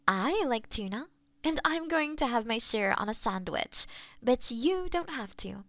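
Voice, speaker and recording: High, lilting doting cat owner acted by a woman. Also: expressive, measured pace, sharp tone, no echo, full character voice. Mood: playful, doting. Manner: cooing pet talk, giggly, affectionate. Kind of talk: roleplay audio, intimate one-sided scene. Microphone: close binaural microphone.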